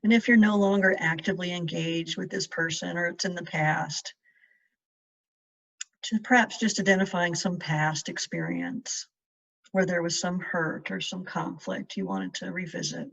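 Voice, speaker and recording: A woman leading a guided meditation in a measured way, leaving long pauses between short phrases. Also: fairly low pitch, creaky, a bit bright. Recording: distant mic, dull muffled sound.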